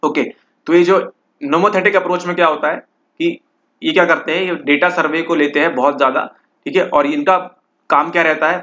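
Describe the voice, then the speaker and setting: A man's voice: fairly high pitch, fairly bright tone. Man, exam prep teacher, talks through questions, checks in often, slightly dull recording. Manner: repeats "ठीक है" constantly, mixes English and Hindi.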